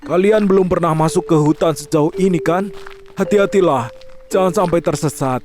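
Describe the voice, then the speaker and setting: Man as gentle woodcutter father, fairly high voice, worried tone, cartoon. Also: moderate pace, natural voice. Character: poor, kind-hearted woodcutter father. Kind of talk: cartoon voice acting.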